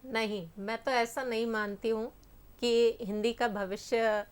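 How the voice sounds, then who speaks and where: Earnest female teacher, slightly high voice. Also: fairly even intonation, measured pace. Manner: earnest, formal, hesitant restarts. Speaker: teacher, studio guest. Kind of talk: panel discussion answer.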